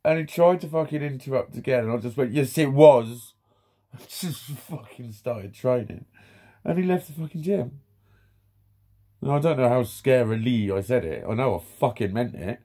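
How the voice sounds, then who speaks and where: Bloke lounging in his room, sweary rant, warm husky voice, laughs a lot. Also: mid-range voice, normal speed. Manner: swears constantly, laughs, acts out quotes. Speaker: vlogger. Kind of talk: casual vlog rant. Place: small room with tapestries, lounging.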